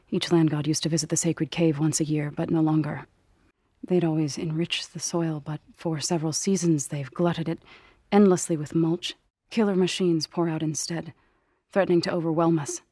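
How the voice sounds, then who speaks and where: An actress playing a solemn, gentle tribal singer in a video game, speaking softly in measured, earnest, formal phrases. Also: female voice, on the low side, husky, dry recording. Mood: solemn, sorrowful. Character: solemn, gentle tribal woman, grave singer of a farming people. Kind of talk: video game character dialogue.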